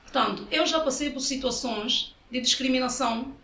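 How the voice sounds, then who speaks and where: A woman from Africa speaking deliberately, pausing to find her words in a documentary interview. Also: sits high, bright, forceful tone, a little hiss or hum. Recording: echoey room, faint ambience.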